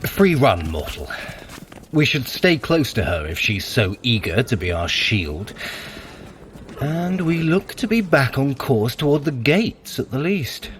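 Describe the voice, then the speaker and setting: A man's voice: mid-range voice, very animated, unhurried, a little hiss or hum. An actor playing a sly, dry-witted trickster god prince in an audio drama, wry and formal as he coaxes.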